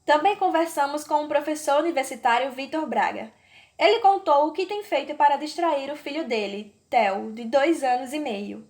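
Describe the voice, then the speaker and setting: High-pitched Brazilian woman narrating. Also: normal speed, darkish tone. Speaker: podcast narrator and reporter. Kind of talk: scripted narration.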